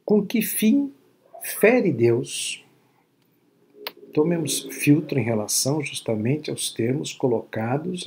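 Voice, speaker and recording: A man's voice: medium pitch, a little mellow. Older man, teacherly lecturer, video call from home, faint hiss. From Brazil. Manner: teacherly, frequent tag questions. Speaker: spiritist lecturer. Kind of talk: online spiritist lecture. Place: home room at night. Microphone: laptop webcam video call.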